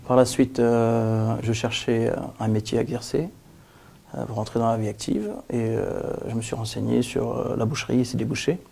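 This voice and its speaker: Gravelly man from Ethiopia, measured. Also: medium pitch, steady tone, mellow. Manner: measured, with frequent fillers. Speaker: guest, butcher shop founder. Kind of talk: interview answers.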